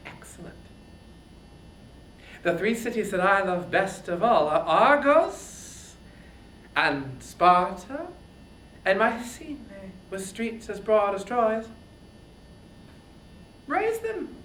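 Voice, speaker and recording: Casting: a reader as haughty goddess queen, theatrical and deliberate, wide swooping pitch, roomy epic storytelling. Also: sing-song, a bit bright, a little hiss or hum. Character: Hera, wily imperious queen of the gods.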